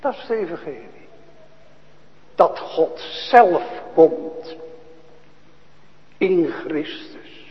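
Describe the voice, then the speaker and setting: A man preaching a sermon to a congregation, asking questions and answering them, dropping to a hush and then rising to loud proclaiming. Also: on the high side, lively intonation, in a large hall, muffled recording. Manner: slow, questioning, swings from hushed to loud proclaiming. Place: church.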